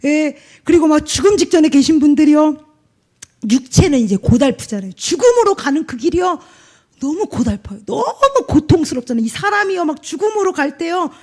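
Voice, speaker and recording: A young woman preaches with a high, bright voice, telling her story earnestly and with strong emphasis. She leans hard on key words and acts out quotes as she speaks. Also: expressive, brisk. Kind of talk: sermon testimony.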